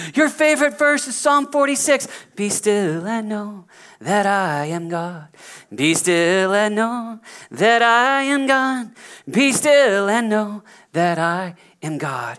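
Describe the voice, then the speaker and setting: Using a put-on character voice, a female-sounding speaker talks at a very slow pace and a medium pitch. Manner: screaming, forceful.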